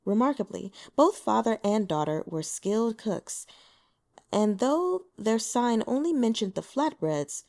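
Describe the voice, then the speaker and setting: A woman narrating an audiobook in a calm, even reading voice. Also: fairly high pitch, measured pace, vocal fry. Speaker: audiobook reader.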